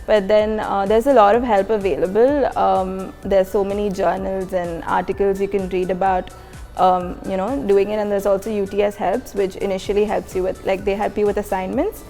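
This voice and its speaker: A young woman from India describes her student experience. She speaks in a relaxed, considered way with a few fillers, in a mid-range voice. Soft music plays faintly behind her. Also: medium pitch, moderate pace. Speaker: international student. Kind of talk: casual student testimonial.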